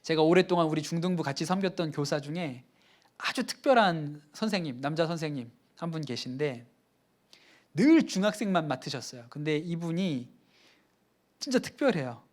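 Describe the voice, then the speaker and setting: Middle-aged male pastor, somewhat high voice, earnest sermon delivery, lively acted-out quotes. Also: moderate pace. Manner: earnest preaching, acts out quoted dialogue with lively rises.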